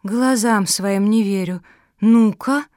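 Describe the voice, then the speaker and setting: A woman voicing an older female dog who adores jewelry and gushes loudly. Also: mid-range voice, takes it slowly, no room sound, studio quality, natural voice. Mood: delighted.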